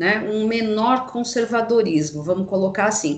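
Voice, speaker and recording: A woman's voice with lively intonation, at a fairly slow pace. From Brazil. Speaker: sales professional. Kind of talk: interview. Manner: relaxed, conversational.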